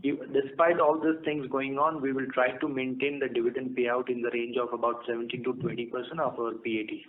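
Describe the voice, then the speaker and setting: A man with an Indian accent speaking as a company executive on an earnings conference call, explaining in a halting way. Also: mid-range voice, little pitch movement. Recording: tinny phone line with clear noise.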